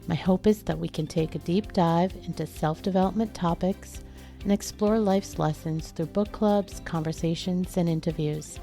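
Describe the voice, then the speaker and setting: A voice speaks at a moderate pace with music playing in the background. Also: woman. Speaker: podcast host. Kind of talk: podcast intro.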